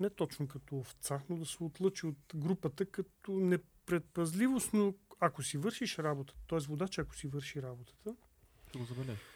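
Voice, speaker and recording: At a moderate pace, a man talks in an ordinary speaking voice that sits fairly high, its pitch varying in an ordinary way. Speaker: geodesy professor and Antarctic expedition member. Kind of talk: interview.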